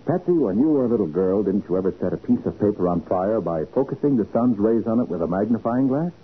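An actor playing a confident, quick-witted private detective, wry and assured, with a husky voice, in a 1940s radio crime drama. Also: male voice, lowish voice, expressive, a little hiss or hum, close to an everyday voice. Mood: assured explaining. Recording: muffled phone-like 1940s radio recording.

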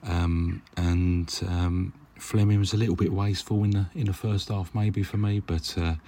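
A man's voice: sits low, moderate pace. A man leaving a casual, rambling voice message as a caller to a fan show. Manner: relaxed, chatty, hesitant with many ums. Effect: recorded voice message.

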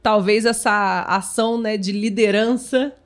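A woman's voice: medium pitch, fairly even intonation, measured pace. A woman with a Brazilian Portuguese accent co-hosting a live podcast, friendly and conversational, reading out listener comments. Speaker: podcast co-host.

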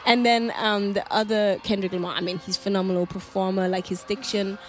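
A woman's voice: mid-range voice, fairly even intonation, a little fast. A young woman from Denmark, a singer-songwriter, chatting giggly and loose with lots of fillers in an interview. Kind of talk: casual interview chat. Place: music festival, outdoors. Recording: live festival radio, loud music behind. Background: stage music playing.

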